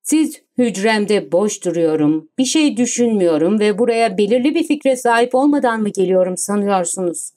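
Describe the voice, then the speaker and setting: A woman reading the lines of a suave, commanding gentleman thief in an audiobook, cool and self-assured. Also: medium pitch, animated, normal speed, few pauses, natural voice. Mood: calm, commanding.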